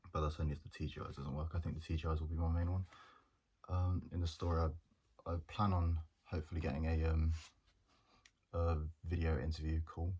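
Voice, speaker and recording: A young man, a journalism student talking through his plans in a hesitant, monotone way with many pauses and restarts. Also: extremely low pitch, husky, dull audio. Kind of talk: casual reflective monologue.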